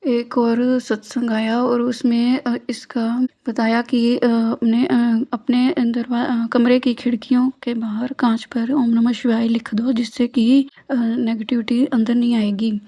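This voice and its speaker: A woman's voice: a little high, level tone, slow, few pauses, mellow. A woman sharing a personal spiritual testimony, hesitant and full of filler sounds.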